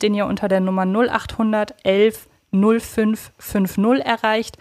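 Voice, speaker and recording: A woman's voice: medium pitch, a little mellow. A woman hosting a podcast in a conversational style. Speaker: podcast host.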